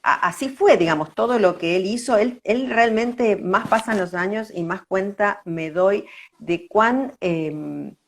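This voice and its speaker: An older woman with an Argentine accent reminisces in a conversational interview, reflective, pausing and repeating words. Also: medium pitch. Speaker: interview guest, dancer.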